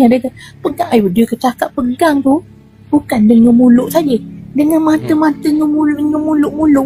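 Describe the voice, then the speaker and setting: Woman with Terengganu Malay accent telling a ghost story. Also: high voice. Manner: animated, acts out sounds and quotes. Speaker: guest recounting a spirit healing. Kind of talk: casual storytelling of a true horror experience.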